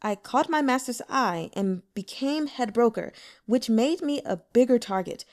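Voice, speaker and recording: A female reader plays a male broker in a storybook tale, always defending himself. His speech is formal and protesting, raised in pitch with lively swings. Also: measured pace. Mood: polite. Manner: protesting, formal, stammers when flustered. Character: self-justifying male head broker, polite but indignant.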